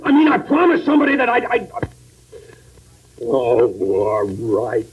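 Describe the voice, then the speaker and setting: An actor playing a timid, fretful garage partner who stammers and pleads in an old radio comedy. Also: male voice, high voice, wildly swooping pitch, unhurried, slightly rough, heavily acted. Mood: nervous, reluctant. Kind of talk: 1940s radio comedy acting. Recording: muffled old-time radio recording.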